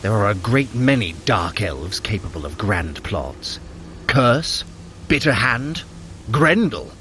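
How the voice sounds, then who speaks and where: Sly male trickster god, lively swooping intonation, articulate, wry, theatrical audio drama, faint background ambience. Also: on the low side, takes it slowly, a little hiss or hum, exaggerated voice. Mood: wry scheming. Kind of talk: scripted audio drama acting.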